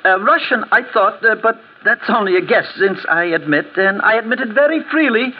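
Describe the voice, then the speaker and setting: A man playing a nervous, hedging tobacconist in a radio play, in a high fluttery voice. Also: lively intonation, a little fast, dull audio. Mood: flustered. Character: nervous hedging middle-aged male tobacconist.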